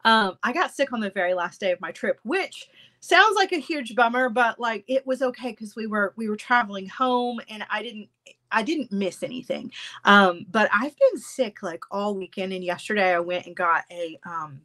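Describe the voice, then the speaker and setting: A woman's voice: medium pitch, moderate pace. A woman in her thirties with a stuffy, congested voice, chatting casually with viewers from her home craft room. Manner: chatty, animated, gestures with hands. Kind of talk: casual live chat with viewers.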